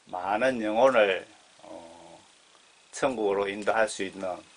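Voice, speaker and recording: A man speaks at a very slow pace in a fairly low voice with fairly even intonation over noticeable background noise. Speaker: lay evangelist who uploads testimonies. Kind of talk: spoken introduction to a religious video.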